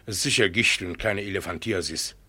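An actor playing a sly older painter uncle who teases with ironic charm in a radio play. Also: male voice, low voice, fairly quick, bright, forceful tone, husky, full character voice. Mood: mocking. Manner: teasing, ironic, playful.

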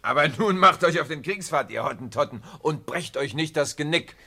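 A man's voice: a little high, lively intonation, moderate pace, gravelly, bright, forceful tone, heavily acted. An actor playing a kindly, thoughtful grown man in a radio play, a genial mentor with a lightly teasing, sometimes hesitant way of talking. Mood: jovial. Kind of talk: German radio play acting.

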